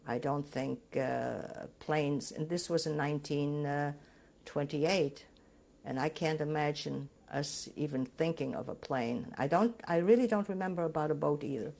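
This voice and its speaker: Older woman from Greece, first language Greek, oral history interviewee; low, raspy voice, halting recollection. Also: darkish tone. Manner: reminiscing, halting with restarts.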